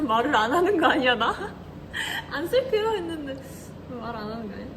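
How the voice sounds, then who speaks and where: An idol in her twenties hosts a livestream in a high, sing-song voice at normal speed, against a noisy background. She speaks with a slight Korean regional dialect, giggling frequently and chatting as she reads and replies to comments.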